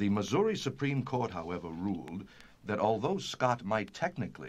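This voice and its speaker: A man speaks in a fairly low voice at a moderate pace. His is an unremarkable speaking voice. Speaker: narrator. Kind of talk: scripted dramatic narration. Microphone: old recording.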